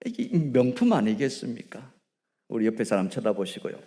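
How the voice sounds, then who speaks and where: Animated Korean pastor preaching in a hall. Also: male voice, mid-range voice, normal speed. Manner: animated preaching, rising to emphatic peaks and dropping to asides; asks the congregation frequent questions. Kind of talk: sermon. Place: church sanctuary.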